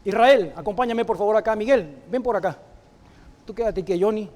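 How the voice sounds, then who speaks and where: A man preaching a church sermon to his congregation, moving from hushed, slow phrases to loud, emphatic declarations. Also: high voice. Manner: addresses the congregation directly and calls people up to the front.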